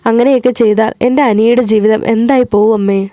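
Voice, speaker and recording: An anxious middle-aged mother, as a woman reading the story puts her on, pleading and hurt. Her voice is soft and mellow, and the sound is dry and close. The role stays near the reader's own plain voice. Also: on the high side, steady tone, fast talker, dry recording, lightly acted. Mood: distressed.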